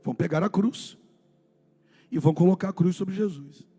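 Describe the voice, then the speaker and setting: A man preaching a church sermon with a high, slightly husky voice. His delivery is fervent, climbing into shouted declarations and dropping to hushed, intense storytelling. Faint music sits under the voice. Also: normal speed. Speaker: pastor. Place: church service.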